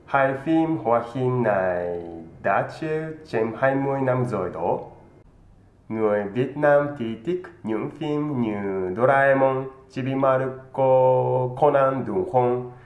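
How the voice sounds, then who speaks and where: A man in his thirties, a native Japanese speaker with a Japanese accent, presenting scripted phrases with careful enunciation. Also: mid-range voice. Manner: careful, deliberate enunciation of a learned language. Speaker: presenter of a language channel. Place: indoor room with green screen. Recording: roomy, slightly dull, faint noise.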